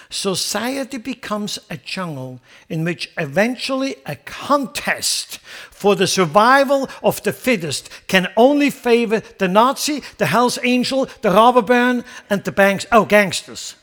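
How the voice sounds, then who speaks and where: A man's voice: high-pitched, animated, a little slow, fairly bright tone. A man preaching a sermon as a pastor, impassioned and repeating words as he builds emphasis.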